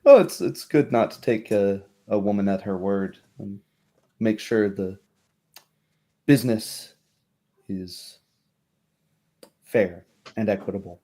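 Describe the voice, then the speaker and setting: A man voicing a courteous, shrewd baroness in a tabletop roleplaying game, with measured, genteel phrasing. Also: lowish voice, warm tone. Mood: amused, gracious. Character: courteous, shrewd baroness, a noblewoman musing over her troubled land.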